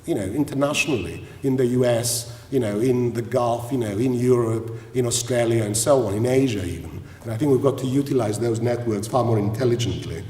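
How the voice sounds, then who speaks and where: A man's voice: mid-range voice, a little fast, hardly any pauses, warm tone. A man chairing a business forum, introducing speakers in a conversational tone, with frequent "you know" fillers. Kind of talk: formal address at a forum. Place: large hall at an event. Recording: echoey hall, speaker far from mic.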